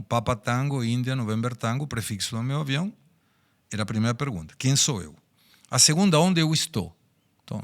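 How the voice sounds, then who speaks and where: A man's voice: medium pitch, a bit bright. A man in his sixties from Argentina, with an Argentine accent, a native Spanish speaker, telling personal stories in a podcast interview in a reflective way. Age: 60s. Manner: reflective, storytelling, speaks of personal life lessons. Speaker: guest.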